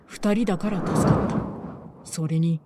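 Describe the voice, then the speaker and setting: A woman voicing a calm, terse young man who sleeps for years and talks flatly. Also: on the low side, measured pace, heavy background noise, close to an everyday voice. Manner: flat, terse, matter-of-fact.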